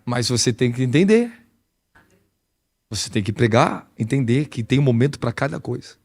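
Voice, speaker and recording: At a moderate pace, a man with a gravelly, mid-range voice preaches as an apostle. He keeps the sermon animated and conversational, with a Brazilian Portuguese accent and frequent rhetorical questions.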